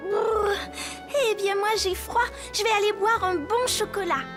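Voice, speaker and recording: Helpful little cartoon girl, super high voice, music under it. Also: fairly even intonation, a little slow. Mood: chilly. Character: friendly, encouraging little girl who skis. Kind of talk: children's cartoon dub.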